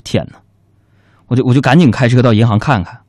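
A man's voice: medium pitch, fast, very noisy. A man hosting a radio show with a comic monologue, telling jokes at his own expense. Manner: joking, self-mocking storytelling. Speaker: radio host.

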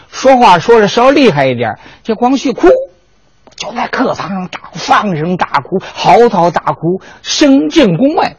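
A man telling history in a lively, colloquial lecture with dramatic asides. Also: high-pitched, husky, no echo. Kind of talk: storytelling lecture.

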